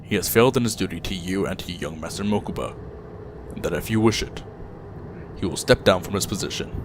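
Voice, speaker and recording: An actor playing a grave, loyal aide in an audio drama, speaking formally and deferentially. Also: male voice, deep voice, fairly quick, natural voice. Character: grave, formal, loyal male aide reporting to his boss. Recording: clear background ambient noise.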